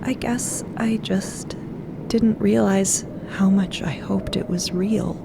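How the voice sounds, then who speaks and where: A woman voicing a sweet, anxious, tired young adventurer in an audio drama, speaking in a hesitant, earnest, halting way. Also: mid-range voice, steady tone, creaky, background noise. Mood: wistful, lost.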